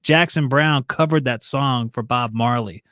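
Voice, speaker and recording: A man's voice: medium pitch, unhurried, a bit bright, dry recording, clean studio sound. A man in his forties chatting casually, easygoing and full of questions. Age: 40s. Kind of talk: casual chat.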